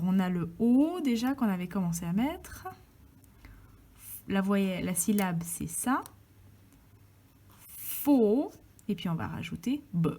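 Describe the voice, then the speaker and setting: Slow, mellow teacher. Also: female voice, medium pitch. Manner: slow, talks to herself while writing, drops into soft whispers. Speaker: English phonetics teacher. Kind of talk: step-by-step transcription lesson.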